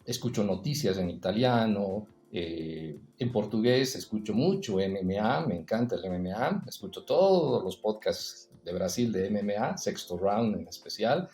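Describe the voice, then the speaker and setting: A man's voice: lowish voice, animated, unhurried, few pauses, a little mellow, echoey room, faint music behind. A man, a podcast guest, talking reflectively in a casual interview, telling personal stories and often adding "eh" and a tag question. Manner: reflective, storytelling, frequent "eh" and tag "¿no?".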